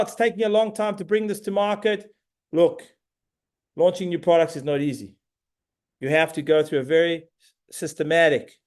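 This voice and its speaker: A middle-aged man with a fairly high voice delivers a product update as CEO. He talks in punchy, emphatic phrases and lays out his points step by step. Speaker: company CEO. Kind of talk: shareholder update presentation.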